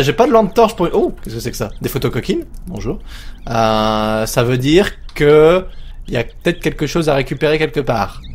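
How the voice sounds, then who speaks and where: A man commentating a horror game as he plays it, jokey and excitable, talking to himself. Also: medium pitch. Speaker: let's play host.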